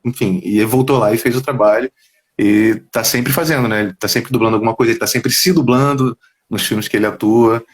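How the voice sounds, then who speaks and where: A quick-talking man tells stories from his work as a voice actor. His pitch sits in the middle, and he rattles along, slipping into little quoted voices. He is heard over a video call. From Brazil. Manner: quick, animated storyteller, drops into quoted voices. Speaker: voice actor guest. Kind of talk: casual interview chat. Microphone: headphones on a video call.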